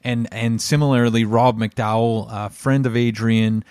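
A man's voice: mid-range voice, steady tone, measured pace, darkish tone, smooth, no echo, studio quality. A man speaking as a podcast co-host. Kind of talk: podcast hosting, sponsor reads and chat.

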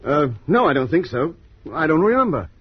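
An actor playing an earnest, apprehensive doctor on a moon expedition in a radio science fiction serial. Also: male voice, fairly high pitch, very animated, moderate pace, breathy edge. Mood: defensive, puzzled. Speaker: actor, narrator. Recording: dull vintage radio recording, music behind.

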